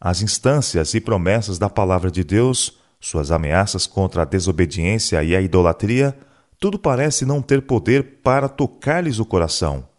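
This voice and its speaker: A man reading a devotional book aloud in a measured, solemn way. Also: low-pitched, animated. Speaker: narrator.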